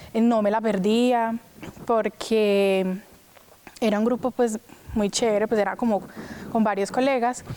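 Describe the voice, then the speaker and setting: A woman's voice: fairly high pitch, warm tone, clear, resonant tone. A young woman who sings opera, chatting casually in an interview and filling her speech with "pues" and "o sea". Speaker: opera singer.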